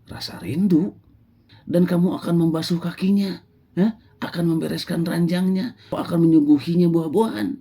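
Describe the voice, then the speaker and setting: A man's voice: fairly high pitch, lively intonation, fairly quick, dark tone, breathy edge, pitched above the performer's own voice. A man voicing an arrogant, irritated male prophet who scolds harshly. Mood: scornful. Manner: harsh and scornful.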